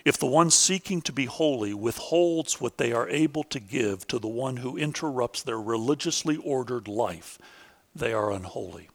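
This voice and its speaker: A man reading a scripted academic lecture in a measured, deliberate and formal way, pausing for quotations. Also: mid-range voice, animated.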